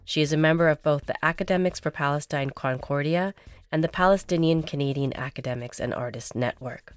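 A woman radio host reading a scripted introduction and then interviewing guests in a calm, gentle, carefully paced way. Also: low-pitched, brisk, clear, resonant tone, no room sound, soft background music.

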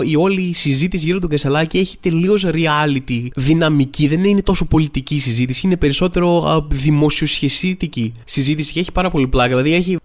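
Rambling, chatty podcast host, a man. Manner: chatty, rambling, full of fillers and restarts; acts out quoted people with sudden pitch jumps. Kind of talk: casual comedic monologue podcast.

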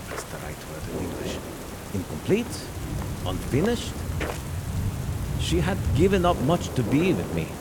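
Older Swiss harbor pilot; Swiss German accent, groping for English words, dutiful, rain-soaked radio drama. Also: male voice, fairly low pitch, heavy background noise. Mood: reflective. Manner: halting English with German slips.

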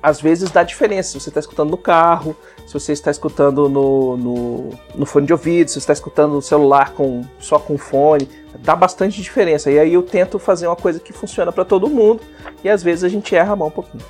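A man's voice: a little high, quick pace, a little mellow, faint music behind. A Brazilian man co-hosting a podcast in casual, slangy, jokey chat, reading out listener comments. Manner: jokey, slangy, often laughing. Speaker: podcast co-host.

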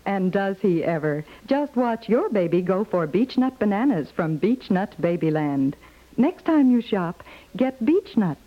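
A woman reading a scripted 1950s radio advertisement in a cooing, effusive sales-pitch manner. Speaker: commercial spokeswoman. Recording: muffled 1950s radio recording.

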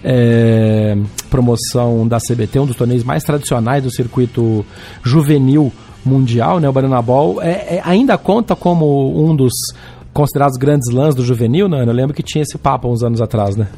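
A Brazilian man hosts a relaxed sports podcast. His voice is hoarse and honking, breaking out of tune at times from a sore throat, over a mellow, low-brightness tone. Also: moderate pace, soft background music. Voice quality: hoarse, honking voice with occasional cracks. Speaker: podcast host. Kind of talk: casual sports podcast talk about tennis.

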